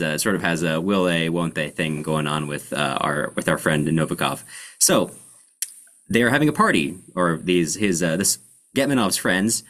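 A man hosting a casual book discussion, explaining things in a halting way as he searches for words. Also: deep voice, fairly bright tone. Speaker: podcast host.

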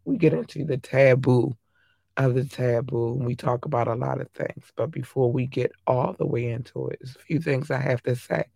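A man hosting a podcast in casual solo talk to listeners, his voice hoarse, strained and giving out. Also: mid-range voice, fairly even intonation, moderate pace, warm tone, no room sound. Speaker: podcast host.

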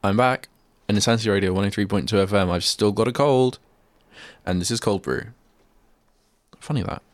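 A male radio host talks at a studio mic with a stuffy head cold, his voice bunged-up and nasal. He's on the low side and fairly quick, rambling on in casual solo radio chat and poking fun at himself.

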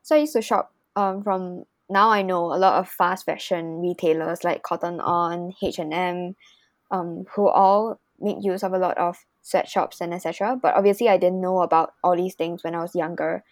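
A woman's voice: on the low side, fairly even intonation, moderate pace, no echo. A young woman, hosting a student podcast in an informal, conversational way. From Singapore. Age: young adult. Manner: informal, peppers speech with "like". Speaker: podcast host.

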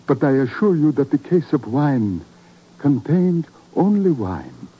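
A man's voice: a little high, sing-song, a little slow, slightly rough, exaggerated voice. An actor playing a courteous, grave Arab father, middle-aged, speaking formally and with measure in 1950s radio drama style. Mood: earnest, defensive. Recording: muffled old radio recording.

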